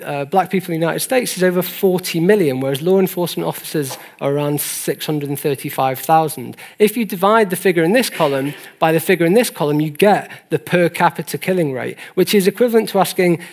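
A man lecturing in an earnest, didactic way, stressing key points as he explains figures to an audience. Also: a little high. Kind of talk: explanatory presentation of statistics to an audience.

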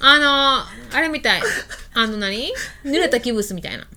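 A woman's voice: a little high, expressive, normal speed, gravelly, sharp tone. A woman with a Kansai accent in casual game banter, bluntly teasing like a nosy Osaka auntie. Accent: Kansai Japanese.

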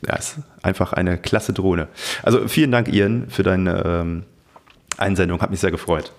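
Male podcast co-host, low-pitched voice, casual conversational delivery. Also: fairly even intonation, moderate pace.

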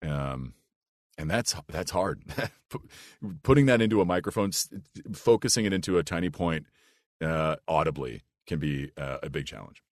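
A man with a big, low, rich voice who talks earnestly and thoughtfully as a voice actor guest in a casual podcast chat. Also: moderate pace, no echo, studio quality. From United States. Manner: earnest and reflective, with restarts and "like".

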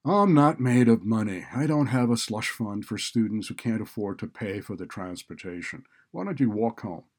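A man voicing a callous, sarcastic male college dean in a story, loud and exasperated. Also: lowish voice, expressive, moderate pace, hardly any pauses. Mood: sarcastic, angry. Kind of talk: audiobook character dialogue.

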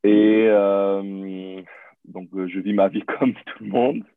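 A man in his thirties from Burundi, with a very low voice, talks as a podcast guest. He hesitates often and restarts his sentences. The sound is dry and tinny, like a phone line. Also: steady tone, takes it slowly, clear, resonant tone, dry recording. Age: 30s. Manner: hesitant, many fillers and restarts. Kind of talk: casual interview talk.

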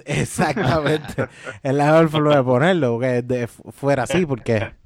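A man's voice: mid-range voice, normal speed, no room sound. Teasing Puerto Rican man, dry sound. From Puerto Rico. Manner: teasing, jokey. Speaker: podcast host. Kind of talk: casual podcast chat.

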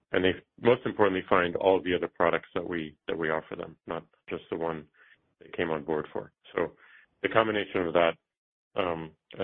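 A man, a company executive, answering analysts on an earnings call in a halting, thoughtful way with pauses mid-phrase. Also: deep voice. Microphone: conference call line. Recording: narrow muffled phone-like call line.

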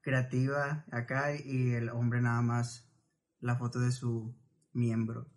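A man speaking in a casual podcast conversation with a very flat, even delivery and a mid-range voice. He eases into his points tentatively, hedging before he says them. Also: mid-range voice, takes it slowly.

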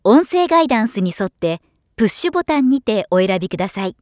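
A woman giving scripted narration as a professional voiceover artist, with a measured, polished delivery. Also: mid-range voice, sing-song, a little mellow, no room sound, clean studio sound.

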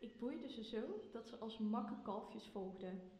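Woman playing magical servant spirit, mellow tone, mischievous, measured storytelling, roomy echo, radio play. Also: on the high side, lively intonation. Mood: mischievous, dutiful. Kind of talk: radio play acting of Shakespeare. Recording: roomy, echoing recording.

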